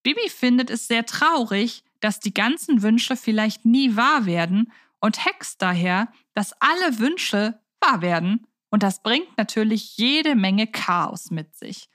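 A woman's voice: on the high side, lively intonation, unhurried, hardly any pauses, fairly bright tone, no room sound, clean studio sound. A woman co-hosting a podcast in a casual, chatty and enthusiastic way. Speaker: podcast co-host. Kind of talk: casual fan podcast chat.

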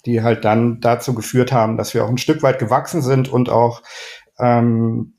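A man's voice: mid-range voice, level tone, moderate pace, a little mellow. A middle-aged man from Düsseldorf, talking casually as a podcast guest, with many fillers and restarts. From Düsseldorf, Rhineland. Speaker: guest, ad man and gallery owner.

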